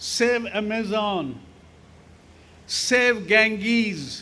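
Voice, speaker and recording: A man speaks in a raised, projected voice with a high pitch. His tone is bright and sharp, with audible room echo around it. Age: 80s+. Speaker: architect and guest speaker. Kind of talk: commencement speech. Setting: graduation ceremony in an arena.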